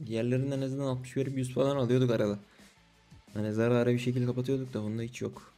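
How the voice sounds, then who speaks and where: Slangy young man, excitable gaming commentary. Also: mid-range voice, very fast. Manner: slangy, excitable, pleading and groaning at results. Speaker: case-opening streamer. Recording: faint music behind.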